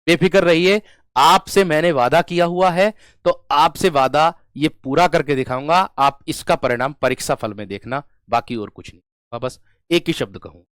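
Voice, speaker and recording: A man teaching a Hindi class, slowly repeating words, addressing students as friends, while running a fever. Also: fairly high pitch, a bit bright, clean tone, no echo, clean studio sound. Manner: slow, drawn-out repetition of words. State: has a fever. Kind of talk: online class lecture.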